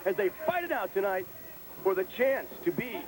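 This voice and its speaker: A man calling a wrestling match play-by-play in quick, excitable commentary, heard from a worn VHS tape copy. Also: high voice, rough recording. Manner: excitable, quick color talk. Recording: hissy worn videotape rip.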